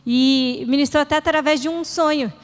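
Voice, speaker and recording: Preaching in an echoing church hall, a middle-aged female pastor speaks at normal speed in a high voice with a steady tone. Her sermon is sincere and conversational, and she acts out brief prayers along the way.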